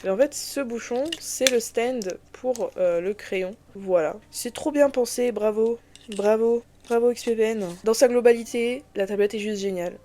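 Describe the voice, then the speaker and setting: A woman's voice: fairly high pitch, normal speed, few pauses, mellow, slight background noise. Gushing, slangy young woman chatting casually. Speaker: digital artist reviewing a drawing tablet. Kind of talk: casual vlog chat to viewers.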